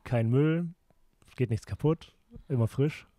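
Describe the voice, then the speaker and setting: A man's voice: mid-range voice, takes it slowly, dark tone, no room sound. A man hosting a casual interview, speaking appreciatively and often in short fragments. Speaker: podcast host, interviewer.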